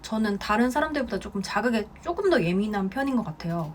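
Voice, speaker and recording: Against noticeable background noise, a woman talks at a fairly quick pace with a medium pitch. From Daegu, South Korea. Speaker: YouTuber and brand founder. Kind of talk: casual Q&A vlog.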